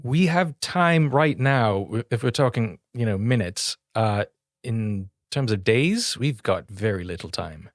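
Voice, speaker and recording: A man at the table in a tabletop role-playing game, speaking in a mid-pitched, plain voice with small hesitations and restarts. His voice sounds dry and close to the mic. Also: animated, unhurried, no echo. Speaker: player.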